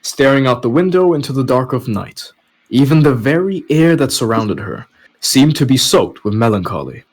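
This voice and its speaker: Expressive male story narrator. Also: medium pitch, normal speed. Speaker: podcast host and narrator. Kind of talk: story narration with casual asides.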